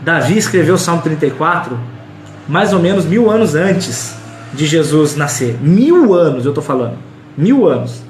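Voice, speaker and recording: Brazilian male Bible teacher, fairly high voice, punchy and repetitive, echoey room. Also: big pitch swings, moderate pace, a little hiss or hum. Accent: Brazilian Portuguese. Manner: emphatic and repetitive, with slangy asides. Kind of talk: casual Bible study talk.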